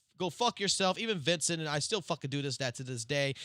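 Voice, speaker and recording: An animated man with an American accent, fairly quick and fairly high-pitched, his bright, sharp tone moving in very wide pitch swings, in a dry, close, very clean recording with a silent background. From Louisiana, US South. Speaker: gaming streamer. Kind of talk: casual livestream rant. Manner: loud.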